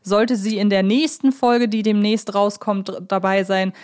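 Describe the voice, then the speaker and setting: A woman speaks as a podcast co-host at an average pitch. She talks in a casual, conversational way, as if discussing things with a partner and inviting their view. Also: steady tone, normal speed, a little mellow. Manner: conversational, asks her co-host questions.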